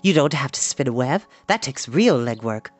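A storybook reader voicing a clever female spider who teaches in a precise, patient, brisk way. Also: medium pitch, lively intonation, dry recording, close to an everyday voice. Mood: brisk, coaching. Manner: precise, instructive, matter-of-fact.

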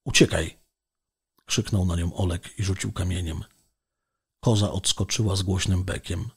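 Męski głos narratora audiobooka prowadzi opowieść równo i rzeczowo. Barwa głęboka, chropawa, mocno zachrypnięta. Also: male voice, deep voice, fairly even intonation, moderate pace, slightly rough. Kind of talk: scripted narration of a novel.

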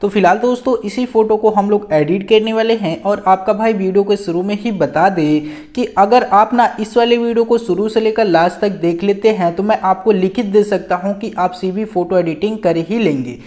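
Mellow, fairly high-voiced man explaining an app. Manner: chatty, keeps calling out to friends and guys, frequent filler particles. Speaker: photo editing tutorial host. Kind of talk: casual step-by-step app tutorial narration.

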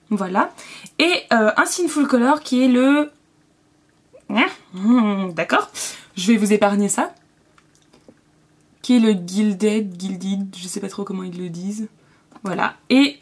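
A young woman chatting casually through a beauty haul, with lots of fillers and quick asides. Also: a little high. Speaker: beauty vlogger.

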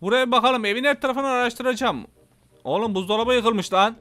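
A man with a Turkish accent giving excitable, casual gameplay commentary, talking to his viewers and swearing playfully. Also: very high voice, brisk. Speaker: gameplay YouTuber.

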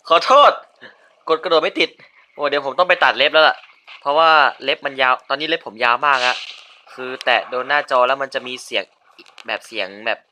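Male game caster, casual running commentary, bright voice, quick startled outbursts, faint noise behind. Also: mid-range voice. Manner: chatty, bursts into sudden yelps and shouts. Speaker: gaming video host. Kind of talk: casual let's-play commentary.

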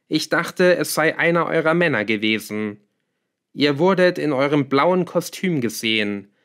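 A man voicing a sharp, defiant young male apprentice in an audiobook, asking pointed questions. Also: on the high side, animated, a little slow, pitched above the performer's own voice. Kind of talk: audiobook character voice.

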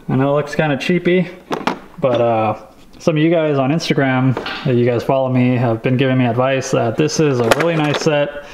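Chill guy rambling on about his tool haul, mid voice, kinda noisy audio. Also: medium pitch. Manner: relaxed, rambling, lots of "uh" and "like". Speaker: vlogger showing a tool haul. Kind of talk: casual show-and-tell chat.

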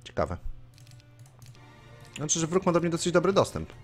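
Lively-voiced man narrating his gameplay. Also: on the high side, normal speed, soft background music. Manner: chatty, swears casually, reads game story aloud. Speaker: let's play host. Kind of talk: casual gameplay commentary.

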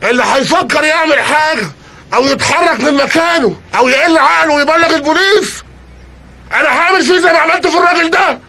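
A bossy comic robber. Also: male voice, very high-pitched, quick pace, gravelly, sharp tone, slight background noise, full character voice. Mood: threatening. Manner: barks threats, then coaxes sweetly. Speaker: film comedy robber.

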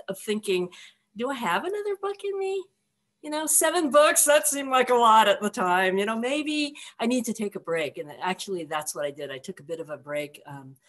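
An older woman from the San Francisco Bay Area, an author talking over a video call in a relaxed, reflective way with many pauses. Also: fairly low pitch. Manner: relaxed, reflective, light laughs, many ums. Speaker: author guest. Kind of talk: conversational interview answers. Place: home room with block wall. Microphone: video call webcam.

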